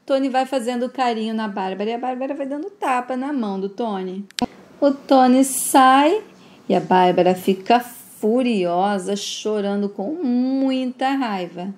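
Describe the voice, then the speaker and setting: A woman's voice: on the high side, measured pace, darkish tone. A Brazilian woman retelling a soap opera episode in a plain, conversational way. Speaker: narrator. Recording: roomy echo.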